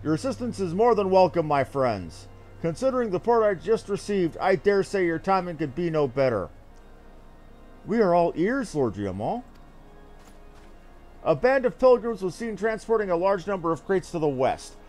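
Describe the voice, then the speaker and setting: A high-voiced man performs fantasy game dialogue aloud with a very lively, swooping intonation. His delivery is formal and theatrical, and music plays behind him. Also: moderate pace. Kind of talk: dramatic read-aloud of fantasy game script.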